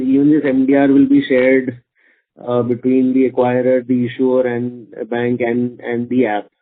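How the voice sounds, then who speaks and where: A man asking an analyst's question on an earnings call, hesitant and roundabout in his phrasing. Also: medium pitch. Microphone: conference phone call. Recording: narrow tinny phone line.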